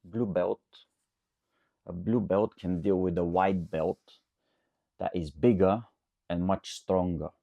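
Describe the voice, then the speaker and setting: Slow and fairly even in intonation, a Bulgarian man speaks in a low, gravelly, mellow voice, pausing often. The audio is dull but free of echo. He's a coach hosting an audience Q&A, talking casually and unscripted to camera, rambling somewhat and checking in with "okay?" again and again.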